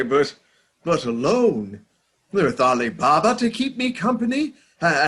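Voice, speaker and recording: An actor in a radio play voicing a miserly old man softened by memories, hesitant and full of feeling. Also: high voice, slightly rough, exaggerated voice. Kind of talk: dramatic radio play acting.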